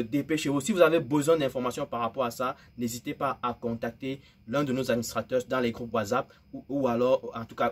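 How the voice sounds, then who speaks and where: A man hosting a trading channel, talking to camera in an animated way, often asking his viewers "vous voyez?". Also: medium pitch. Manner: animated, exclaiming, with many "n'est-ce pas" and "vous voyez". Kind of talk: direct-to-camera talk.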